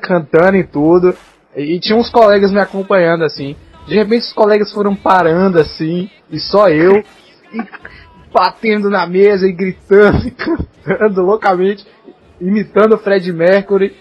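Brazilian male co-host, raspy and a bit high, wisecracking chat. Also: steady tone, moderate pace. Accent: Brazilian Portuguese. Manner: teasing, wisecracking. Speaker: podcast co-host. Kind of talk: casual chat. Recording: slightly muffled podcast audio.

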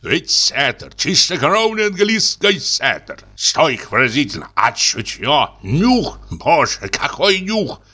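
Male reader doing a blustering older army lieutenant, pushy, tipsy, swooping pitch, bright edge. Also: big pitch swings, takes it slowly, hardly any pauses, breathy edge, exaggerated voice. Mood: boasting. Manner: boisterous, wheedling, exclamatory. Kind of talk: audiobook character reading.

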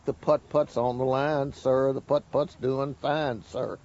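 A man's voice: mid-range voice, flat delivery, slow pace, a little mellow. An older American man, a war veteran, casually reminiscing in an interview. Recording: dull documentary tape.

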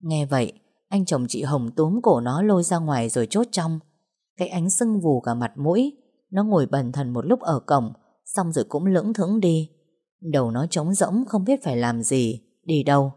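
Low-voiced woman storyteller. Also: moderate pace, slightly rough. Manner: steady, dramatic storytelling. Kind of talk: scripted narration of a family drama story.

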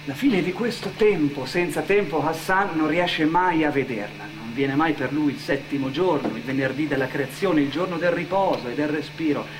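An actor playing a sceptical, argumentative man in radio theatre, speaking in a measured way. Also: a little high, lightly acted. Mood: sober, reflective. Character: sceptical Italian man debating with his immigrant friend, narrating. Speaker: actor and narrator. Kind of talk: radio theatre dialogue and narration. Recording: clear background noise.

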